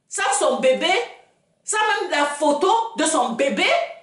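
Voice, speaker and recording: In a room with audible echo, a woman speaks with lively intonation. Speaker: vlogger. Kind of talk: video commentary. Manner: trembling voice; emotional, halting.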